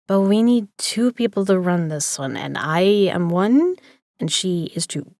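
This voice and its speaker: Woman playing a slow, woozy, stubborn card shark. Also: fairly low pitch, lively intonation, a little mellow, no echo, studio quality. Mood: loopy, stubborn. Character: drugged, stubborn, woozy female poker player. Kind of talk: scripted audio drama acting.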